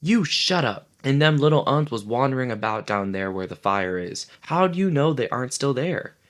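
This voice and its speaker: A man's voice: mid-range voice, animated, normal speed, fairly bright tone, voice pushed up, natural voice. A man reading an audiobook, voicing a hostile older boy who snaps scornfully.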